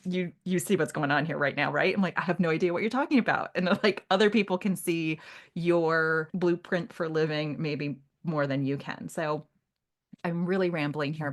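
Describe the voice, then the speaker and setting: Woman podcast host w a lowish voice, rambly casual book talk, acts out little asides. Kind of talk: casual literary discussion.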